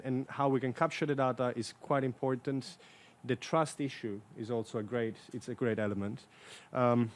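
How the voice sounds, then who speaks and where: A man moderating a panel discussion, halting and repeating words as he looks for them. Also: mid-range voice. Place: conference room at a panel event.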